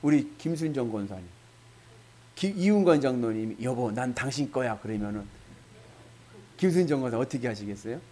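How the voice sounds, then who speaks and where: Animated Korean pastor preaching. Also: male voice, medium pitch, a little fast, long pauses. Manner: lively, acts out quoted dialogue in shifting voices. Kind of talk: sermon.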